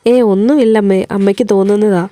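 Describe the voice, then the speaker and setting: A woman's voice: mid-range voice, fairly even intonation, fast, warm tone, dry recording, natural voice. A woman voicing a worried middle-aged mother who pleads anxiously. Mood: distressed.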